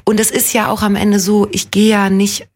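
A woman in her forties with a husky, breathy voice, talking as a guest in a relaxed interview. She is from Munich and speaks in a reflective, self-deprecating way, circling her points with ums and restarts before landing them. Her pitch sits in an ordinary middle range for a woman. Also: moderate pace. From Munich, Germany. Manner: reflective and self-deprecating, rambling with many fillers. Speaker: actress and guest. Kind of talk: casual conversational interview.

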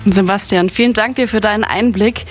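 A woman's voice: mid-range voice, a little fast, faint music behind. A woman from Franconia hosting a radio interview, asking questions in a friendly, encouraging way with frequent affirmations. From Germany (Franconia, Nuremberg). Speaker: radio host.

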